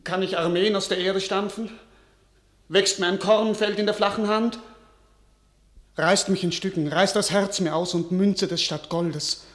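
A man's voice: high-pitched, fairly even intonation, unhurried, a bit bright. A man playing a weak, emotional French king in a classical radio drama, theatrical and declamatory. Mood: desperate.

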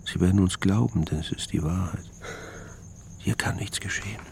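Moody jealous husband in a radio drama, deep gravelly voice, half whispering. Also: male voice, slight background noise. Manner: gravelly, measured, often whispered. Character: brooding, jealous husband and stepfather. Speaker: narrator, husband and stepfather. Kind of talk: radio play inner monologue.

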